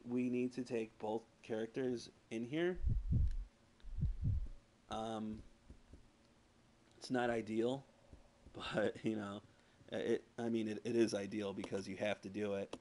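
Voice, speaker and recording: A man's voice: lowish voice, fairly even intonation, unhurried, long pauses, darkish tone. A man streaming a video game, rambling casually with lots of "like" and swearing over a console streaming mic. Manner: rambling and crude, heavy use of "like" and swearing. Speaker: gameplay streamer. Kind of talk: casual let's-play commentary. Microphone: PS4 streaming mic. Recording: noisy home stream audio.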